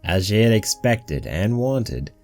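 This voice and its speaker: A man's voice: fairly low pitch, very animated, slow pace, over music. A man reading a story aloud as its narrator, in scripted storytelling style. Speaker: narrator of a fan fiction reading.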